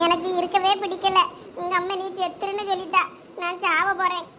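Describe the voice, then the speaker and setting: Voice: extremely high pitch, flat delivery, brisk, pushed and bright, slight background noise. Someone voicing a sulky tearful young girl. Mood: sulking. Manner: tearful, self-pitying complaints. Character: sulky young girl who feels unloved. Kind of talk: comedy skit voice acting.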